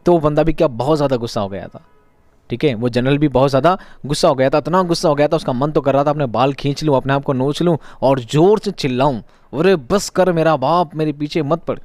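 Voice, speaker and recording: A male Urdu teacher explaining a short story in a lively, conversational way, acting out the characters' dialogue. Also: medium pitch, quick pace, no echo.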